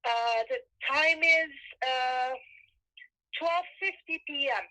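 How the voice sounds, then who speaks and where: A woman in her forties from Turkey speaks over a tinny phone line, her voice pitched a little high and bright. She answers politely and with some hesitation, like a caller asking for a reading. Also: slow. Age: 40s. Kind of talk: phone-in call with an astrologer.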